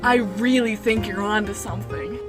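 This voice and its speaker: A woman's voice: medium pitch, steady tone, normal speed, lightly acted. A young woman playing a sensible, street-smart detective's partner in an amateur radio play. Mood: deducing. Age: teens or young adult. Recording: amateur recording with music underneath.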